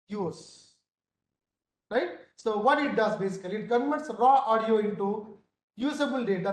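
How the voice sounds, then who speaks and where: Male instructor, South Indian accent, didactic online-lecture delivery, echoey room sound. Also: very high voice. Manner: didactic, repeatedly checking with "right?". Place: indoor room, video call. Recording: roomy, echoing webcam-call sound.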